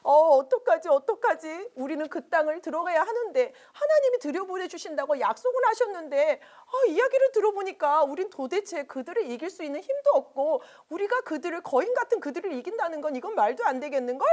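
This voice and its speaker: A woman voicing a desperate crowd who wails and loudly complains to their leaders. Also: very high-pitched, lively intonation, brisk, few pauses, pitched above the performer's own voice. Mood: despairing. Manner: whiny, wailing, shouting complaints. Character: wailing, grumbling crowd of desperate people.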